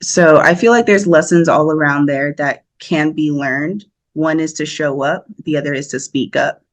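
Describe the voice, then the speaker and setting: A young American woman, an actor appearing as a podcast guest, chats casually and animatedly in a low voice at a normal speed. She laughs often and uses plenty of fillers throughout the interview.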